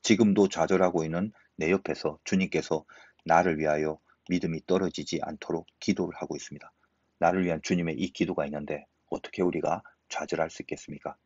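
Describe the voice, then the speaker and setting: A man's voice: deep voice, steady tone, brisk, a little mellow, slightly rough, dry recording, dull audio. A pastor in his fifties preaching an earnest sermon, asking the listeners rhetorical questions.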